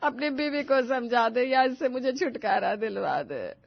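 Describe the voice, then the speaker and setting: A woman voicing a dramatic, complaining elderly mother-in-law in an animated story, wailing and melodramatic. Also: fairly high pitch, measured pace, vocal fry, no echo, highs cut off, exaggerated voice.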